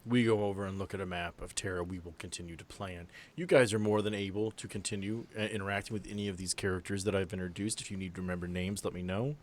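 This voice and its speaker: A man's voice: deep voice, steady tone, fast, hardly any pauses. A man speaking casually as game master of a tabletop roleplaying game, slipping between narration and sweary banter.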